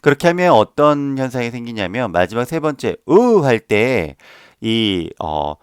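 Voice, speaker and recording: A man's voice: mid-range voice, sing-song, a little slow, smooth, dry recording, studio quality. A man teaching a voice lesson, patiently explaining each step and demonstrating the sounds himself. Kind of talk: instructional voice lesson.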